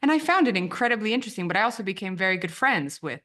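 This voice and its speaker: A woman's voice: medium pitch, big pitch swings, racing, a bit bright. A woman in her thirties, from Romania and raised in the US, a podcast guest telling her story thoughtfully, often restarting phrases. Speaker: guest, branding editor. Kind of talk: reflective podcast interview.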